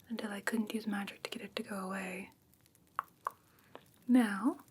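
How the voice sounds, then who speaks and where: A woman playing a curious, haughty fae creature in an ASMR fantasy roleplay, whispering softly in a hesitant, musing, gently condescending way. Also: mid-range voice, a little hiss or hum, natural voice. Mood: wryly amused. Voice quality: soft breathy whisper.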